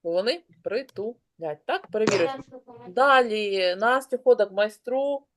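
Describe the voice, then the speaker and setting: A woman teaching an online class, brisk and encouraging, calling on pupils by name. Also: medium pitch.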